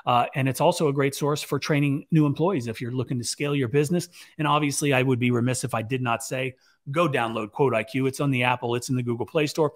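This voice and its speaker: A man in his forties with a raspy voice, telling a story to camera in a casual, rambling way full of fillers and restarts, from a home office. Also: medium pitch, fairly even intonation, quick pace. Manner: conversational, many fillers and restarts, gestures while talking. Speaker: business owner vlogger. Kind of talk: casual talking-head storytelling. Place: home office with shelves, indoors. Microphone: large podcast mic on boom arm.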